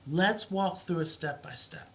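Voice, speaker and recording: A woman's voice: fairly low pitch, measured pace, fairly bright tone. A middle-aged woman teaching a live math lesson, with a soothing voice and an encouraging, reassuring way of talking. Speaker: math tutor.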